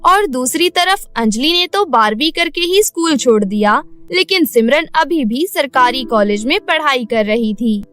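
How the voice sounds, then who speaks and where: High-pitched woman narrating a bedtime story. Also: animated, measured pace, hardly any pauses, fairly bright tone, faint music behind.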